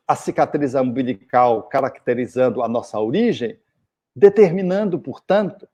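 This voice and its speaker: Brazilian guy lecturing on spirituality, tells little stories with voices, warm mellow tone. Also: medium pitch. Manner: storytelling, acting out short quoted dialogue. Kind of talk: lecture with told anecdotes.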